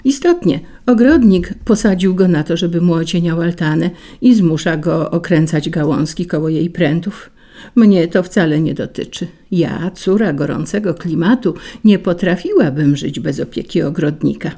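A woman's voice: on the low side, normal speed, mellow. A woman reading a storybook, voicing a proud, delicate foreign lady flower who speaks haughtily. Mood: haughty. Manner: haughty, self-satisfied.

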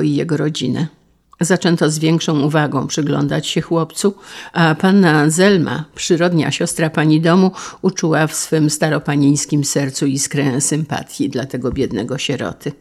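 Gravelly, measured audiobook narrator. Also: mid-range voice, fairly even intonation, a little mellow. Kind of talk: scripted narration of a classic novel.

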